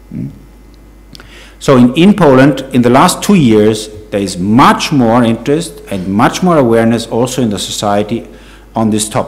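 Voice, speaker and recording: With a German accent, a man speaks at a moderate pace in a medium pitch with lively intonation, amid audible room echo and noticeable background noise. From Germany. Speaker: priest and psychology professor. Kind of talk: lecture.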